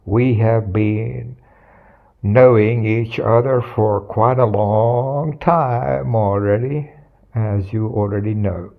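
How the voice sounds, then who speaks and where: Slow, gravelly man. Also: on the low side, phone-quality sound. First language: Finnish. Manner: slow, deliberate, formal phrasing. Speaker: video blogger. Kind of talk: direct-to-camera address.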